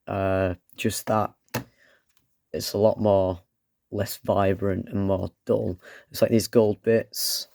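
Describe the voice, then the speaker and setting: A man reviewing a toy with a croaky voice from a cold, rambling and dropping sarcastic asides. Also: sits low, mellow, no room sound, studio quality. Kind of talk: casual product review.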